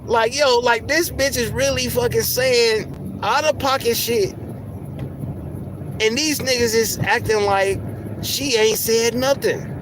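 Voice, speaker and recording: A man with a soft, squeaky voice ranting heatedly on a livestream, swearing a lot and stumbling over repeated words. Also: slow, noisy background. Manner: heated, profane, repeats words when worked up. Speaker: livestream host. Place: in a car.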